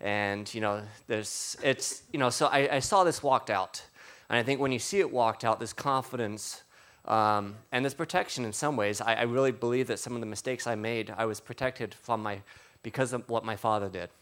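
A man preaching informally through personal testimony, with a halting, conversational delivery. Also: medium pitch, fairly bright tone.

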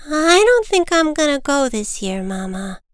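A woman's voice: high voice, very animated, a little slow, no room sound, clean studio sound, voice pushed up. A woman voicing a timid, sad young male bird in a children's storybook. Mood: sad, reluctant.

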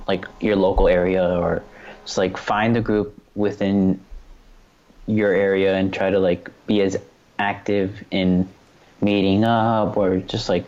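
A man's voice: low voice, darkish tone, dull audio. A man from New York, a photographer, talking earnestly as a guest in a casual conversation, with lots of "like" and "you know".

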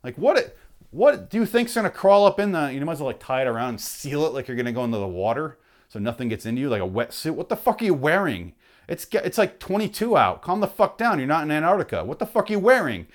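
A man from Michigan delivering a profane comedic rant, loudly exasperated and swearing, his voice going hoarse. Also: fairly high pitch, big pitch swings, quick pace. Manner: loud exasperated swearing, mock outrage. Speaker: vlogger ranting on camera.

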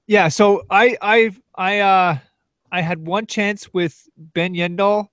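A man co-hosting a casual podcast interview, asking eager, upbeat, halting questions. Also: high voice, steady tone, fairly bright tone, smooth, no room sound. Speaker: podcast co-host.

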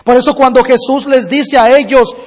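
A man preaching in a church hall tells a parable, repeating phrases in rhythm as he builds slowly. His voice is very high for a man. A long reverb rings through the hall. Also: fairly even intonation. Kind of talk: sermon with storytelling.

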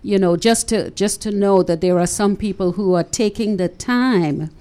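A woman's voice: mid-range voice, normal speed, warm tone. An older woman hosting a Christian radio talk show in a studio, with preacherly praise interjections.

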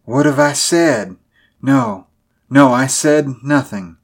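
An ancient, fearful old man from a Southern tale, as a male narrator plays him. He mutters in a mellow voice and rambles slowly, as if his mind drifts toward mumbling. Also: lowish voice, steady tone. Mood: alarmed.

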